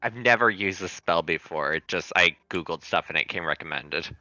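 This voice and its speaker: A man talks casually as a tabletop gamer. His voice is low-pitched with a hard, tense edge. The recording is dry and lo-fi. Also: normal speed, bright, forceful tone, no room sound, soft background music. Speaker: tabletop game player. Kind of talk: casual game chat.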